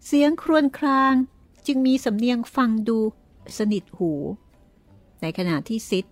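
A woman narrating an audiobook in a measured storytelling manner. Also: on the high side, animated.

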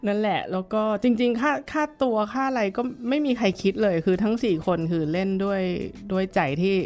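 A woman's voice: medium pitch, a little fast, a little mellow. A middle-aged woman violin teacher recalling her past in a casual interview, talking thoughtfully with many fillers and restarts.

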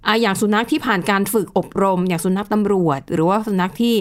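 A woman's voice: medium pitch, fast talker. A woman co-hosting a casual news chat show, explaining with examples and adding polite particles. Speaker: radio news co-host.

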